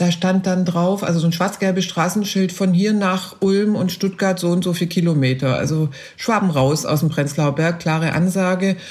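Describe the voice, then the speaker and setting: Speaking at a moderate pace with hardly any pauses, a woman uses a somewhat breathy, fairly low-pitched voice with very even loudness and fairly even intonation. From Swabia, southwest Germany. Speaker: journalist, political correspondent. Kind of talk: interview.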